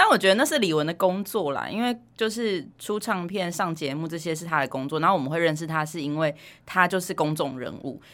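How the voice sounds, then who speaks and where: A normal speaking voice at a fairly quick pace with ordinary pitch variation and hardly any pauses, on a very clean recording with a silent background. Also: woman, fairly low pitch for a woman. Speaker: podcaster, guest co-host. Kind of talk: casual chat.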